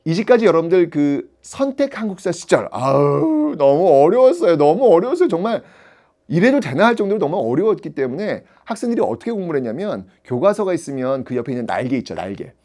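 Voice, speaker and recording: A man gives an animated audio-only exam prep lecture on history. His voice sits slightly high and swings widely as he questions his students and laughs along the way. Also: fast. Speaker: history teacher.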